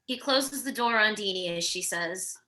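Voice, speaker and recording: A woman's voice: medium pitch, normal speed, pushed and bright. A woman narrating the stage directions of a screenplay at a table read.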